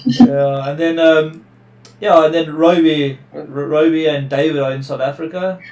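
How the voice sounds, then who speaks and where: A man's voice: on the high side, fairly even intonation, measured pace, darkish tone, reverberant, far from the mic, faint music behind. A man from Wales hosting a casual team video call, chatty and upbeat, guiding people around. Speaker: host.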